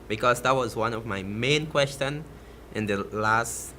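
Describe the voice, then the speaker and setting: A man with a Guyanese accent argues his case with conviction. His voice is bright and forward, with a faint hum behind it. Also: medium pitch, a little slow. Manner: emphatic, passionate. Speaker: fishermen's representative for the region. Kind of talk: talk show guest.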